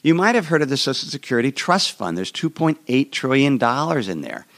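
A hoarse man hosting a solo podcast, explaining in a rambling way with frequent restarts, recorded in a hotel room. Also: mid-range voice, very animated, a little fast, fairly bright tone. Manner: rambling, repeats and restarts words. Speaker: podcast host.

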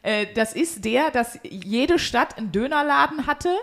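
A woman's voice: a little high, lively intonation, unhurried. A woman hosting a podcast, chatting casually in an informal, slangy, joking way. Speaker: podcast host. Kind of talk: casual chat.

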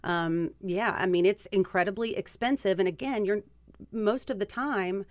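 A woman's voice: medium pitch, moderate pace, no echo. A middle-aged woman from Kentucky with a Kentucky accent, earnestly explaining policy figures as a guest on a talk radio show.

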